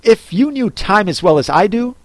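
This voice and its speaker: A man voicing a fussy, contrary hatter who grumbles and talks down to others in quick bursts. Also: high-pitched, animated, no room sound, pitched above the performer's own voice. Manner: grumbling, contemptuous, quick talker.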